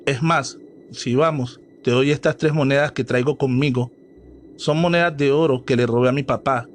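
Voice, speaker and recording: A man's voice: mid-range voice, fairly even intonation, moderate pace, slight background noise, lightly acted. A man voicing a cocky, pushy teenage boy who taunts his cousin. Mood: taunting.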